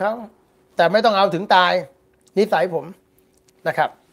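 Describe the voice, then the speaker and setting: Against a quiet background, a man talks loudly with ordinary pitch variation. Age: 50s. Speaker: lawyer and online show host; lawyer, online show host. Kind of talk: casual livestream talk to viewers. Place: home room. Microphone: lapel.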